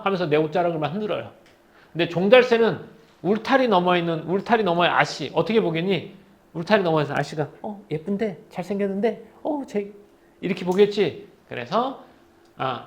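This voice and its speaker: High-voiced man teaching poetry for exams. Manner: reads poem lines aloud, then paraphrases them in casual speech and quizzes students. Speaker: Korean literature teacher. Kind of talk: exam-prep poetry lecture.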